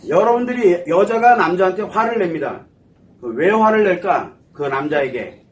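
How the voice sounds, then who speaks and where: Lecturing on psychology at a normal speed, a man with an expressive, high-pitched voice asks his audience questions and supplies the answers himself. The mic picks him up from a bit of a distance.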